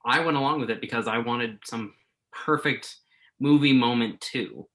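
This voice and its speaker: A man plays an earnest, wordy entertainment journalist in a staged play reading, using a mid-range, fairly bright voice at normal speed, close to how he'd normally talk. The character is remorseful, self-doubting and argumentative, and the mood is sincere and apologetic.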